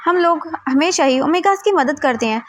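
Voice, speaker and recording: A woman voicing sleazy, menacing young men who taunt slowly and smugly. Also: sits high, lively intonation, a little hiss or hum, pitched above the performer's own voice. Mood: smooth-talking. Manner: slow, smug, taunting.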